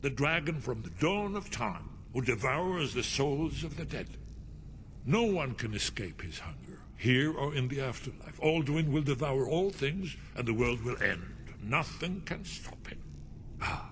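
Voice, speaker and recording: An actor playing a paranoid, fatalistic old scholar in a video game, agitated and muttering in a theatrical way. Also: male voice, mid-range voice, sing-song, unhurried, a little hiss or hum. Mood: doom-laden. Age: older. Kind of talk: video game character acting.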